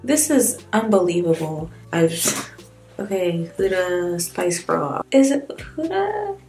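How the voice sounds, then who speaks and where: Chatty woman with a gravelly edge. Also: on the low side, very animated, slow, a little mellow, faint music behind. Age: 20s. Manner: candid, rambling, wry and self-mocking. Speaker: beauty vlogger. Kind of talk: casual chatty makeup tutorial. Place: small indoor room with plain wall.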